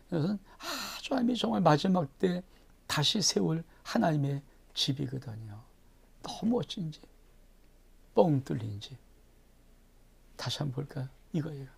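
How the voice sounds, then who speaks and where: A male pastor preaching through a Bible chapter with a gravelly, husky voice set a little high. He keeps turning to the congregation with questions. His volume swings from sudden loud bursts to soft, breathy near-whispers. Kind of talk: Bible-reading sermon.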